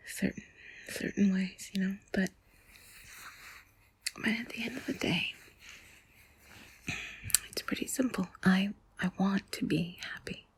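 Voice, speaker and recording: A woman whispering softly and intimately in a breathy, husky voice, close to the mic, confiding in a rambling ASMR monologue. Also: medium pitch, no echo. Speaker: intimate audio host.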